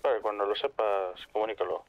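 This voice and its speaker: A man talking briskly in roleplay radio chat during an online game, through a muffled radio filter. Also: on the low side.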